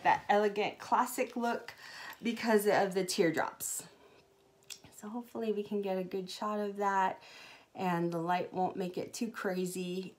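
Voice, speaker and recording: A woman in her thirties from Hawaii, chatting through a live jewelry sales show with many ums, recorded on a phone in a small indoor room. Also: mid-range voice. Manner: chatty, many ums, upbeat product talk. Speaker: jewelry seller.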